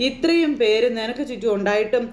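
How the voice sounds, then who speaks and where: A woman's voice: a little high, lively intonation, a little mellow, natural voice. A woman voicing a scolding, tearful old grandmother. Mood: scornful. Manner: scolding, reproachful, drawn-out. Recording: roomy echo.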